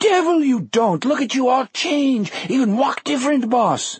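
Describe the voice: At a moderate pace, a high-pitched put-on character voice speaks.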